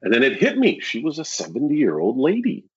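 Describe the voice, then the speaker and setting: A man, a real estate agent, talking casually in an interview, acting out clients and his old sales pitch and stumbling over repeated words. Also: a little fast, slightly rough. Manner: animated storyteller, acts out clients and his old sales pitch, laughs often; repeats words when starting. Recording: dull lo-fi sound.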